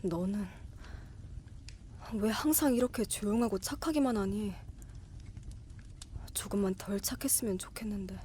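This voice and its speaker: A woman's voice: medium pitch, a little slow, pauses often, background noise, natural voice. Woman acting an earnest, worried young woman. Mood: tender, fearful. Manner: earnest, emotionally open. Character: devoted, worried young woman nursing her sick sister. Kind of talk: audio drama acting.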